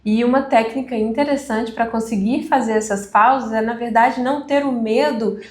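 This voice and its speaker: A woman instructor giving a live online class on speaking, conversational with deliberate pauses. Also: a little high, steady tone, echoey room. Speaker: communication instructor.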